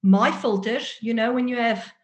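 Female interview guest, 40s, South African accent, native Afrikaans speaker, fairly high voice, earnest and expressive storyteller. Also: normal speed. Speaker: guest, author and parenting workshop presenter.

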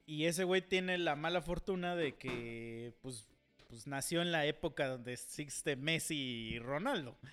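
A man's voice: a little high, a little slow, a bit bright, faint music behind. A young Mexican man with a Mexican accent, rambling crudely and swearing in casual chat as a podcast co-host. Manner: crude, profane, rambling storyteller.

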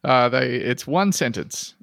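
Male podcast co-host, deadpan jokes, gravelly edge, dry close mic. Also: medium pitch, unhurried, no room sound. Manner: jokey, deadpan asides, frequent laughs. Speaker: podcast co-host reading listener posts. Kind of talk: casual comedic podcast chat.

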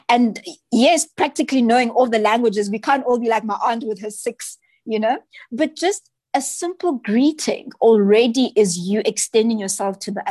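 Guest: South African woman with a fairly high voice, chatty storyteller, dry close recording. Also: a little mellow, dry recording. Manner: chatty storyteller, often adds "you know" and "right". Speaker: children's book author, guest. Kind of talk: casual interview chat.

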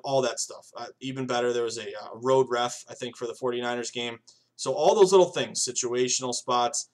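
A man's voice: mid-range voice, fairly bright tone. Rambling male sports betting podcaster. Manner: rambling, filler-heavy, addresses listeners as guys. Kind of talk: casual solo podcast monologue.

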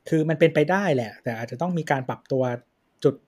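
A man's voice: medium pitch, fast, darkish tone, no echo. A man co-hosting a tech podcast, explaining things politely with some hesitations. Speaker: podcast co-host. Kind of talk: casual tech podcast chat.

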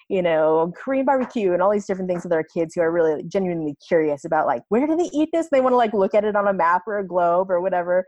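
A woman in her thirties, a podcast guest chatting casually, laughing often and quick to get animated. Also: fairly low pitch, no echo. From United States. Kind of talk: casual interview chat.

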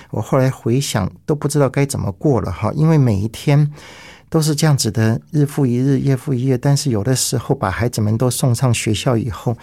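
A man's voice: mid-range voice, gravelly, mellow, no echo, studio quality. A middle-aged man with a Taiwanese Mandarin accent, telling his personal faith testimony in an earnest, reflective way. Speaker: testimony speaker.

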